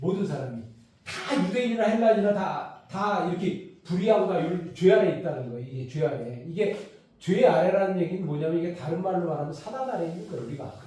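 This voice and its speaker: Amid noticeable background noise and audible room echo, a man speaks very fast at a high pitch, his intonation lively and his loudness swinging widely. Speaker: Bible teacher. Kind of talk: Bible lecture. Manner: conversational, asks the class questions; speeding up.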